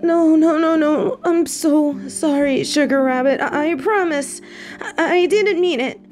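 A woman's voice: high-pitched, a little slow, a little mellow. A woman playing a possessive female mafia boss and doting girlfriend in a scripted, intimate audio roleplay. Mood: panicked, pleading. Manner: swings between cold threats and tender pleading. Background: background music.

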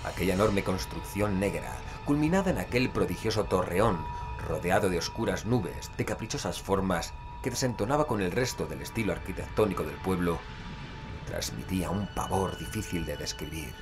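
A man's voice: sits low, animated, normal speed, over music. A man playing a skeptical investigator who narrates and speaks in a horror audio drama. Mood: grave, ominous.

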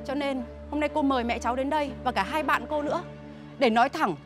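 An actress gives voice to a middle-aged TV drama mother who is fierce and protective. She scolds and shouts in a high voice, with a drama score running clearly underneath. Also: fast, music in the background, close to an everyday voice. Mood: stern. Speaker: mother of Thi. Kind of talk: TV drama acting.

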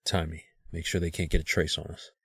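A man's voice: extremely low pitch, flat delivery, fairly quick, pushed and bright, husky, dry recording, studio quality, exaggerated voice. A man playing a tough, blunt, protective federal agent in an audio drama, with a terse delivery. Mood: firm, defiant. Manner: terse, curt.

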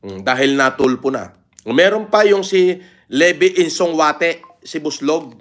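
A man's voice: fairly high pitch, lively intonation, measured pace, fairly bright tone. A middle-aged man talking bluntly on a casual livestream, swearing openly and reading out viewer comments. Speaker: livestream vlogger.

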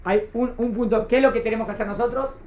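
A woman's voice: a little high, fairly even intonation, quick pace, a little mellow, slight background noise. Woman teacher in an echoey classroom. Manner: explains patiently, keeps checking if students follow. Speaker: Torah teacher. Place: classroom with a small group.

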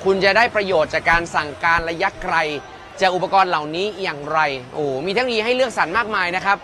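A man in his forties hosting a live walkaround at an indoor exhibition, lively and joking, exclaiming as he goes. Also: sits high, quick pace, a little hiss or hum. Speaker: tech show host touring an expo. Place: busy indoor exhibition hall. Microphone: handheld mic, filmed by a roaming camera.

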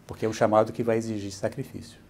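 In a bright, furnished room indoors, a middle-aged Brazilian church bishop talks as an interview guest, his low voice racing with vocal fry over a faint hiss or hum. He explains patiently and steadily, adding "né" again and again.

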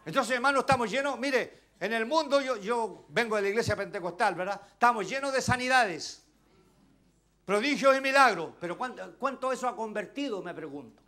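A male pastor with a Chilean accent preaching a sermon, swinging between shouts and hushed asides and calling out rhetorical questions to the congregation. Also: extremely high pitch, lively intonation, a little fast. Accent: Chilean Spanish. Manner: impassioned, swinging between shouts and near-whispers.

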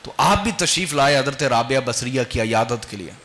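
Male preacher, bright tense tone, rhetorical questions, building emphasis. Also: mid-range voice, animated, brisk. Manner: quizzes the audience with rhetorical questions. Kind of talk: sermon.

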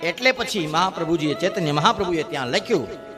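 A man's voice: fairly high pitch, brisk, in a large hall. Man preaching over guitar. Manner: animated, rhythmic storytelling with chanted verses. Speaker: religious storyteller. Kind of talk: devotional sermon storytelling. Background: guitar music.

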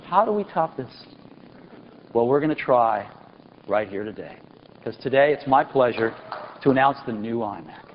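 A man in his forties giving an enthusiastic product launch keynote on a large auditorium stage, pausing for effect and stressing key words. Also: medium pitch, expressive. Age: 40s. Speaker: company executive presenting a product keynote. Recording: dull lo-fi 1999 event recording with faint hiss.

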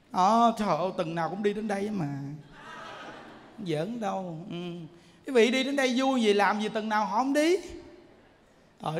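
A man giving a folksy, animated Buddhist sermon, often asking listeners if they understand. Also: high voice. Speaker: Buddhist teacher giving a dharma talk. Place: temple hall. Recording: long hall reverb.

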